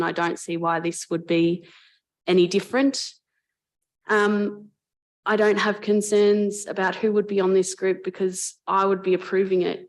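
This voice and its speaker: Earnest Australian woman, low flat voice. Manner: earnest, measured, with frequent ums and restarts. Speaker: mayor chairing a council meeting. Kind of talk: formal council debate speech. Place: council chamber.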